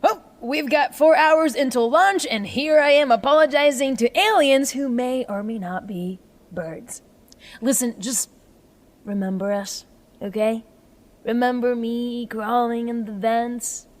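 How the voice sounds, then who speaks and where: A woman's voice: fairly high pitch, measured pace, natural voice. A woman playing a scrappy, upbeat engineer in a sci-fi audio drama, with a wry, rambling way of talking. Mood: earnest, pleading.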